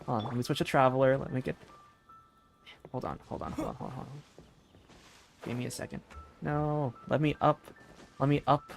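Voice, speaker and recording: A male streamer reacting casually to a game, slangy and excitable, often repeating himself. His voice sits at an average male pitch, with faint game music behind him. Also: vocal fry.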